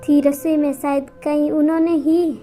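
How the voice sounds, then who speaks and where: A woman's voice: sits high, flat delivery, moderate pace, dark tone, soft background music, lightly acted. A woman voicing a scheming, greedy young daughter-in-law who speaks with sweet slyness. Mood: sly.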